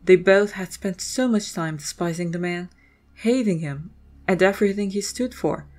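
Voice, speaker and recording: A woman's voice: lowish voice, moderate pace, darkish tone. A woman reading scripted, dramatic story narration as the narrator of an audio drama.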